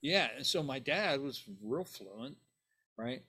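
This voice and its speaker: A man's voice: mid-range voice, animated, slow, bright, forceful tone, slightly rough. An older man whose first language is Italian, telling stories in a casual interview and rambling with lots of "you know" and "right?". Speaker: bassist guest.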